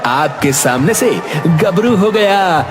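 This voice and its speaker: A man's voice: sits high, expressive, slow pace, in a large hall. A man voicing a showy stage magician in a cartoon, delivering sing-song showman patter. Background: background music.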